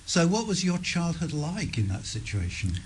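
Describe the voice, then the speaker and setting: A man hosting a radio interview in a studio, speaking gently and summing up his guest's answers. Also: fairly high pitch, big pitch swings, normal speed, husky. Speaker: radio host. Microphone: studio microphone.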